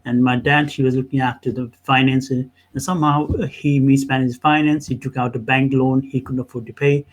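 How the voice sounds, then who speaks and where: A man from Nepal speaking as an accountant and interview guest, telling his story conversationally in a halting way with repeated words. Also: medium pitch, flat delivery, poor audio.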